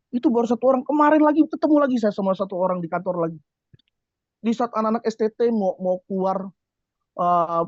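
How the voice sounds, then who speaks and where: A man giving a preaching testimony to a congregation, telling his story in an animated way and asking the listeners rhetorical questions. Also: high voice, no room sound. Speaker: church office worker giving a testimony. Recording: dull, dry lo-fi recording.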